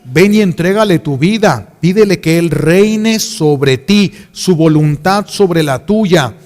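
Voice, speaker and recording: A Catholic priest, his voice pitched high for a man, preaching a sermon in a pleading, repetitive way full of rhetorical questions. A long reverb trails after his words. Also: animated, takes it slowly, darkish tone.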